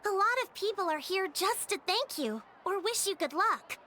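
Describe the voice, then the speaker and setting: A woman's voice: very high voice, expressive, normal speed, sharp tone, slight background noise, exaggerated voice. An actress voicing an earnest, easily flustered young female tribal chief in an anime game. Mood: upbeat explaining. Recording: music playing behind the voice.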